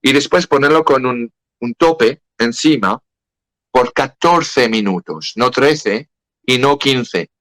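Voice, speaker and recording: French-accented man, halting speech. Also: medium pitch, lively intonation, a bit bright, dry recording. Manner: halting, searching for words. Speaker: guest. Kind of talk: podcast interview.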